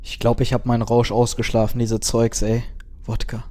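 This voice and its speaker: A man's voice: mid-range voice, monotone, moderate pace, dark tone. A man playing a mystery game, casually thinking aloud and joking. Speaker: player. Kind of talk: casual podcast chat.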